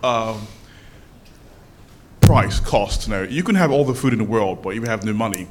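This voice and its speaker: A man's voice: on the low side, expressive, normal speed, a little hiss or hum. A man speaking up from the audience at a public forum, telling things informally in an emphatic, conversational way.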